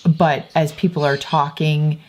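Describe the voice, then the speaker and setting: Indoors at home, a homeschooling mom who vlogs chats to the camera in a rambling, self-correcting way. She has a deep voice with a flat delivery and measured pace, and there's slight background noise.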